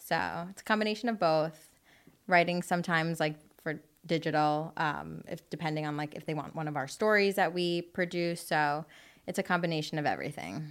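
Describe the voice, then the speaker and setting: A woman with an American accent and an unremarkable speaking voice talks at a fairly quick pace with a fairly low pitch and fairly even intonation, on a very clean recording with a silent background. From New York City. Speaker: traffic reporter and TV producer. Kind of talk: casual chat. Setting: home studio.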